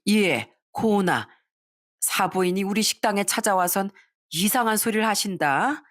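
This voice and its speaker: A woman's voice: medium pitch, animated, normal speed, no echo, clean studio sound, close to an everyday voice. A woman voicing a worried older mother who runs a small restaurant, speaking in a bewildered way in a storybook drama.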